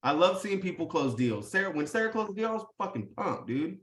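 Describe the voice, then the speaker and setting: A fired-up man talks over a video call, loose and profane, calling everyone dude and bro. His voice sits a bit high for a man. The room around him is echoey and bare. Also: sing-song, brisk. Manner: hyped, profane, full of slang and fillers. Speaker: host. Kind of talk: casual motivational talk on a live video call.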